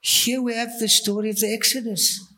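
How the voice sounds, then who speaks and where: A man speaking English as a second language, giving a talk in short phrases and pausing for an interpreter, halting and full of enthusiasm. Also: sits high, flat delivery, pushed and bright, low-quality recording. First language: not English. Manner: slow, halting English, stops for translation. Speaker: guest speaker on ancient Egypt. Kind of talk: lecture with live interpreter.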